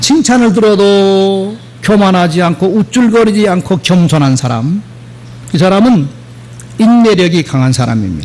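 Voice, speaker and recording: With noticeable background noise and audible room echo, a man speaks at a fairly slow pace in a high voice that swings very widely in pitch. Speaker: pastor. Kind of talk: sermon. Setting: church.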